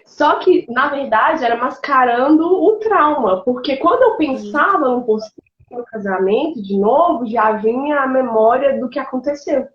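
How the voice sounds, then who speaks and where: A woman's voice: sits high, normal speed, reverberant, dull audio. A woman pastor, telling her personal testimony in an interview with emotion and bursts of laughter. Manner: emotional, animated storytelling with laughs and colloquial fillers.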